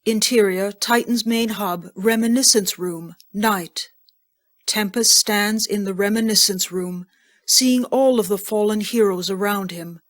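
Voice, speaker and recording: A woman's voice: medium pitch, unhurried. A woman narrator reading scripted scene headings and action for an audio drama.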